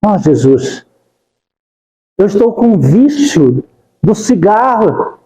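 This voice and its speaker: A man's voice: sits high, big pitch swings, takes it slowly, warm tone, roomy sound, big-room sound, rough recording. A man giving a devotional talk at a spiritist center, speaking fervent, pleading prayers and repeating the name of Jesus. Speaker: spiritist lecturer.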